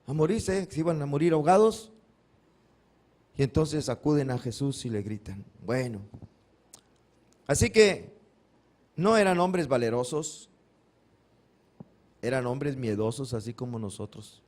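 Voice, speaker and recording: With a mid-range, slightly mellow voice, a male pastor gives a Sunday sermon at a measured pace, expressive and punctuated by long pauses. He poses questions to the congregation and answers them himself, dramatically acting out the cries of Bible figures.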